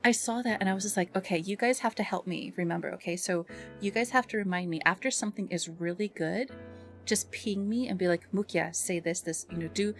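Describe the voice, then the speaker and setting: A woman streamer talks casually to her viewers over background music. Her voice sits at an average pitch for a woman. She is expressive and bubbly, with an affectionate way of addressing people. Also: a little fast. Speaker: live streamer and ASMR content creator. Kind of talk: casual livestream chat with viewers, greeting them and reading messages.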